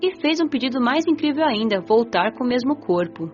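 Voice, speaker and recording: An actress with a Brazilian accent playing a gentle, curious young spirit woman who narrates her afterlife story in an audio drama. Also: a little high, expressive, brisk, natural voice. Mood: earnest, recounting. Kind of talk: scripted first-person audiobook drama narration. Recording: dull lo-fi audio, music behind.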